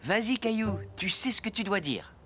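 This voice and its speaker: A man's voice: high-pitched, animated, moderate pace, loud music behind the voice. A man playing a friendly, encouraging, playful father in a French children's cartoon, coaxing his young son along.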